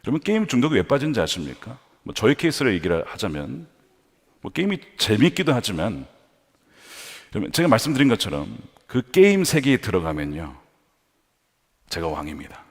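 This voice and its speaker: A man preaches a sermon from the pulpit of a church, his voice swinging widely between soft low lines and loud high ones. He asks the congregation questions and acts out pleading prayers. The sound carries a long reverb from the church hall. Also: very animated, brisk. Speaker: pastor. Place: church sanctuary.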